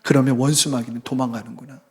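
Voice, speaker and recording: A man preaching a sermon as pastor, telling a story dramatically and dropping suddenly to a hushed voice, with passionate exclamations. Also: mid-range voice, steady tone, fast talker.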